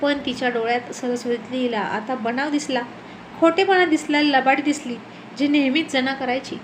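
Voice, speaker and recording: A woman tells a scripted story with expressive, dramatic delivery. Her voice sits high, and a faint noise hangs beneath it. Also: moderate pace.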